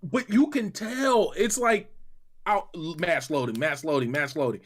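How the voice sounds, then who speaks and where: A man's voice: fairly high pitch, measured pace. A man in a casual gaming podcast chat, emphatic and slangy, often repeating phrases for emphasis. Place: online group call from separate rooms.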